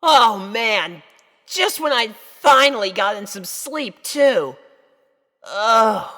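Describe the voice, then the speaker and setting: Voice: mid-range voice, fairly bright tone, big-room sound, pitched above the performer's own voice. A narrator playing a young male dragon who sounds plaintive and informal, in a storybook reading. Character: little young male dragon, puzzled and grumbling.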